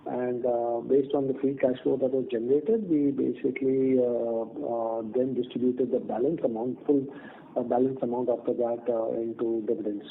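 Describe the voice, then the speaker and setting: A male company executive answering questions on an earnings conference call, speaking haltingly with repeated words over a phone line. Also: medium pitch, little pitch movement.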